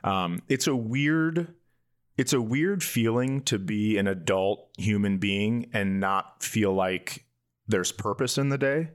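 A man's voice: on the low side, expressive, slow pace, smooth. Man chatting casually as a podcast host. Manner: crude joking, swearing. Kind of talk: casual comedic chat and anecdotes.

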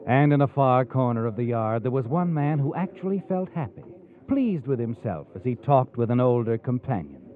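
An actor playing an ominous, all-knowing narrator in a 1940s radio suspense drama, theatrical and taunting. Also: male voice, medium pitch, sing-song, moderate pace, close to an everyday voice. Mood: measured storytelling. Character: sinister all-knowing male narrator of crime tales, taunting. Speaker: host and narrator. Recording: tinny vintage radio recording, music behind.

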